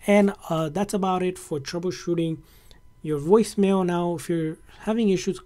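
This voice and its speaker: A man's voice: sits high, moderate pace, dark tone. A man narrating a casual step-by-step tutorial in a conversational, instructional way as a tech presenter.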